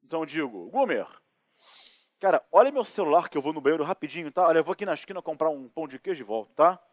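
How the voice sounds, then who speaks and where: A Brazilian-accented man teaches criminal law in a recorded studio course. His voice sits fairly high for a man and comes across dry and close. He jokes, acts out little scenes and keeps asking the class rhetorical questions. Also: quick pace, no echo. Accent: Brazilian Portuguese. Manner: lively, joking, acts out anecdotes and asks rhetorical questions. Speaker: law lecturer.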